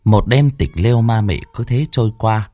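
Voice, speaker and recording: A man narrating a ghost story in a dramatic, lively storytelling manner. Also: fairly low pitch, moderate pace.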